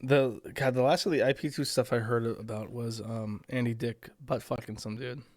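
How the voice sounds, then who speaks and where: A man's voice: medium pitch, fairly even intonation, moderate pace, no room sound, studio quality. A man in casual conversation, telling a long, profane, rambling story. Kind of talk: casual chat.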